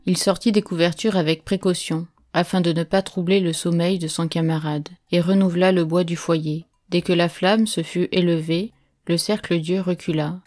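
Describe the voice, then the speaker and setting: A woman reading an adventure novel aloud as an audiobook narrator, in a measured, steady way. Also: fairly low pitch, faint music behind. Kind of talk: scripted narration.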